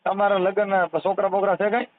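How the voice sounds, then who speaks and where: A man's voice: high voice, level tone, a little fast, no room sound. A man with a Kathiawadi Gujarati accent asking teasing, persistent questions in a casual phone conversation. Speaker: social worker taking a phone call. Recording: tinny, narrowband phone call recording.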